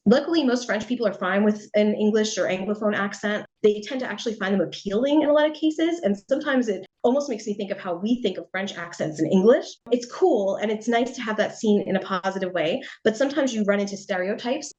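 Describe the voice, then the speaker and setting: A woman's voice: medium pitch, a little fast, hardly any pauses, darkish tone, highs cut off. A middle-aged American woman talks through her answers in an easy, conversational manner. She hedges often and muses aloud, with a light laugh now and then. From United States. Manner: chatty, reflective, with frequent hedges and laughs. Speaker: interview guest, writer. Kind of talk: casual interview answers.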